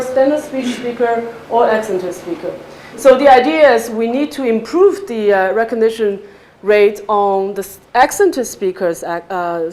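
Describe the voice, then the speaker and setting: A woman giving a technical research talk, explaining step by step and often checking with a quick "right?". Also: mid-range voice, darkish tone. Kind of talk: technical lecture with questions from listeners.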